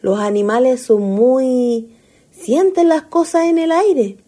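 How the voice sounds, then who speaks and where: Woman acting a husky, soft, shy Chilean maiden. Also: high voice, slow pace. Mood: shy, flustered. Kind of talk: radio drama acting.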